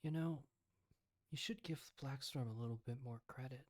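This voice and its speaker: Man playing a measured, faintly sinister stranger. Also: mid-range voice, natural voice. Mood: calm, insistent. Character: impatient, polite, faintly sinister male stranger seeking entry.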